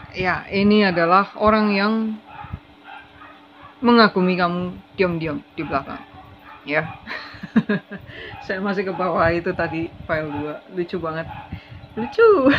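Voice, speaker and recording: A tarot reader talking casually through a reading, expressive and quick to laugh, slipping in English phrases. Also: medium pitch, a little hiss or hum. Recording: slightly muffled lo-fi recording.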